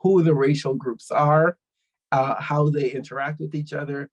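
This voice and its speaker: Man with a gravelly voice. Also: on the high side, fairly even intonation, normal speed, highs cut off. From Guyana. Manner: thoughtful, explanatory, with frequent fillers. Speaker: panelist. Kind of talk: online panel discussion.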